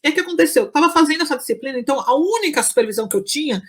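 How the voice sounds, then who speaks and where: A psychology professor tells a story in a casual interview, her high voice expressive, very fast, and a bit bright. She's chatty, full of fillers and restarts, and acts out what people said.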